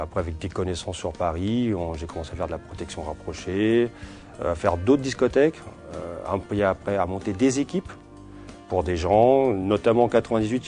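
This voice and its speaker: A man in his forties, born in Portugal, with a very low voice. He answers interview questions slowly and haltingly, restarting phrases and filling pauses. Soft music sits faintly under his speech. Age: 40s. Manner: hesitant, many fillers and restarts. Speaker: security company owner.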